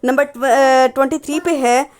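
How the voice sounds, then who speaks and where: A woman's voice: high-pitched, fairly even intonation, darkish tone. Patient woman teaching phonetics. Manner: patient, repeats example words slowly, asks and answers her own questions. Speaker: English teacher. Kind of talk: phonetics lesson explaining symbols.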